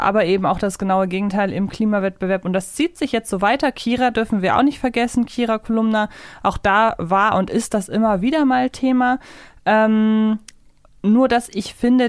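A woman hosts a podcast in a conversational style. Her pitch is average for a woman, and the sound is dry, with no room around it. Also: a little mellow, no echo. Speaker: podcast host.

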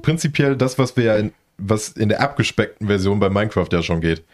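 Lower-voiced man thinking out loud. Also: expressive, fairly quick. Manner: rambling, thinks aloud with fillers. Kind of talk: casual gaming chat.

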